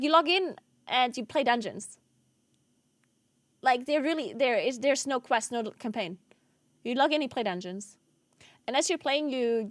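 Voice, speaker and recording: A woman's voice: a little high, no room sound. Chatty woman streamer. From South Tyrol, Italy. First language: German. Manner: chatty, answers chat, frequent "like" fillers. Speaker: game streamer. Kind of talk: casual chat while gaming.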